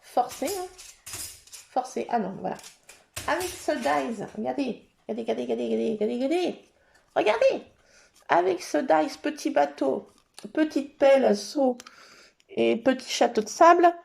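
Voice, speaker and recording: A woman hosting a casual craft session, chatting to her viewers and thinking aloud as she works, with sudden bursts of excitement. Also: high voice, normal speed, creaky, a little hiss or hum. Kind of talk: casual craft tutorial chat.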